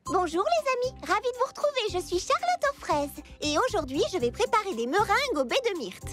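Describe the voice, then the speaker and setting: A woman's voice: very high-pitched, big pitch swings, a little fast, a bit bright, soft background music, full character voice. A woman voicing a sweet, eager young cartoon girl who presents in a polite, bubbly manner. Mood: cheerful presenting. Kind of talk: French cartoon dub acting.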